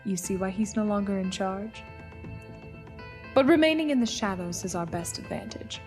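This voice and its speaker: An actress playing a cold, commanding villain in an audio drama, measured and menacing in manner. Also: female voice, mid-range voice, expressive, a little mellow, soft background music, close to an everyday voice. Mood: scornful, menacing. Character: cold, commanding female villain, leader of conspirators.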